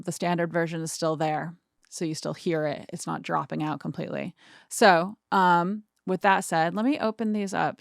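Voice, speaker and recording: Low-pitched woman with creaky voice, tutorial host. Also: no echo, clean studio sound. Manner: informal, chatty, self-deprecating. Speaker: music production tutorial host. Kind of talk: casual screen-recorded tutorial.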